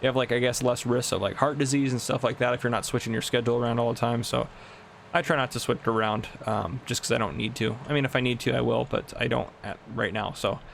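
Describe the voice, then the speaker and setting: A man's voice: medium pitch, fairly even intonation, fast talker, gravelly, fairly bright tone, slight background noise. A man in his twenties chatting casually while playing a farming game at home, rambling and laughing often. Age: 20s. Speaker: gaming channel host. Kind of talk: casual gameplay commentary. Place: home room.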